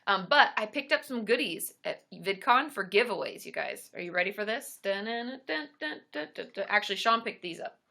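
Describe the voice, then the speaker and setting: A woman's voice: mid-range voice, expressive, a little fast, gravelly, hardly any pauses, sharp tone. A woman hosting a casual livestream, stuffed up and tired from a cold, chatting and greeting viewers by name. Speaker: therapist and livestream host.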